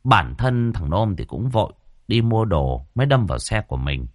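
A man tells a story in a colloquial, lively manner. His voice sits lowish and moves a lot. The recording is dry and close. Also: normal speed, dry recording. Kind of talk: storytelling narration.

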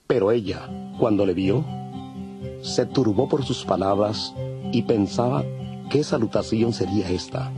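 A man narrating scripture from a script in measured storytelling. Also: on the low side. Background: faint music.

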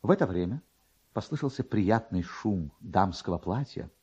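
Male narrator for classic prose: low, husky voice, theatrical delivery with sweeping intonation. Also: moderate pace, dull audio. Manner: theatrical, expressive. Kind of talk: dramatic literary narration.

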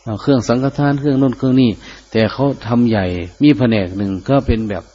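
Older monk, mellow dark voice, chants Pali then explains, muffled lo-fi recording. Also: male voice, medium pitch, fast. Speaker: Buddhist monk teacher. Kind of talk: dhamma talk teaching Pali chanting.

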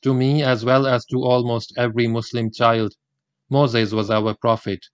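An older man whose mother tongue is Gujarati delivers a formal religious talk in English. He speaks in a measured, deliberate cadence at a middling pitch. The recording is close and dry, with little room sound. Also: little pitch movement, clean tone, dry recording, dull audio. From India.

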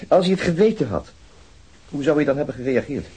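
A probing detective with a dark, husky voice,. He asks quick, pointed questions with a lively, rising and falling tone. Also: a little high. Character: probing male police detective.

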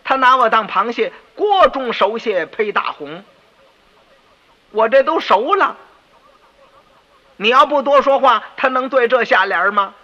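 A man's voice: high voice, sing-song, a little slow, few pauses, pushed and bright, long reverb tail, full character voice. A man with a Beijing accent playing a pompous, irritable old prime minister who scolds his servant. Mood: angry. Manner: scolding, haughty and raised. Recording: dull lo-fi radio recording.

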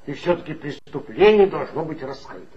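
An actor playing an anxious, pompous police chief in a 1960s radio play, talking insistently and emphatically. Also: male voice, fairly high pitch, lively intonation, fairly quick, lightly acted. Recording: dull 1960s studio recording.

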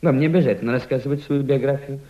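An actor in a Russian radio drama playing an embittered, fervent White émigré conspirator, theatrical, insistent and persuasive. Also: male voice, medium pitch, fairly even intonation, very fast, natural voice. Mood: insistent, conspiratorial. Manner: theatrical, insistent, emphatic repetition. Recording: dull, lo-fi old radio play recording.

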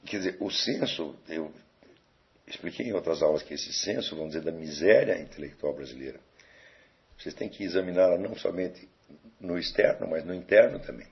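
A very low, gravelly male voice with a Brazilian Portuguese accent, lecturing students in a rambling, conversational way. He keeps tossing out rhetorical questions and checking in with his listeners. The recording is dull and lo-fi. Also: lively intonation, fairly quick. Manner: digressive, conversational, rhetorical questions with tag "tá certo?".

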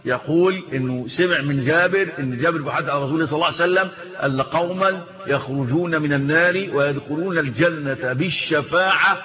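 A man with an Egyptian Arabic accent giving a religious lesson, asking the listener rhetorical questions and drawing out quoted words slowly. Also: fairly high pitch, highs cut off, crowd noise. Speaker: Islamic scholar teaching.

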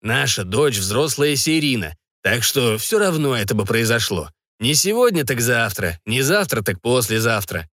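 A man voicing a stout older father who lectures his family in a measured way. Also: medium pitch, lively intonation, fairly bright tone, dry recording, clean studio sound, natural voice. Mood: reproachful.

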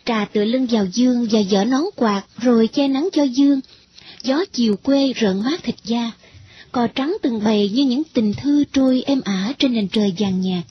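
A woman reads story narration in a lyrical, even manner. Her voice is high, and the recording is dull and lo-fi with faint noise. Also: moderate pace.

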